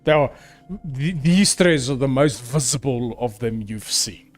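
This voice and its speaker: A man at a mid pitch runs a tabletop session as its game master. He describes each scene in a loose, halting way, pausing on fillers as he goes. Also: animated, soft background music.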